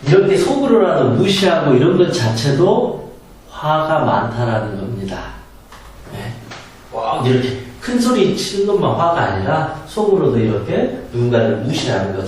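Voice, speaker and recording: A man giving a spoken lecture on handling anger, emphatic and animated, sometimes acting out angry quotes and laughing. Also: fairly high pitch, a little slow. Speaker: meditation and self-help lecturer. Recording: very echoey room from a distance, faint noise.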